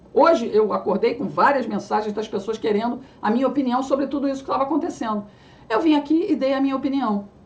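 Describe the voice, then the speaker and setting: High-pitched, animated woman at a very fast pace with lively intonation. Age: 60s. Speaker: political commentator. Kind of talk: opinion monologue.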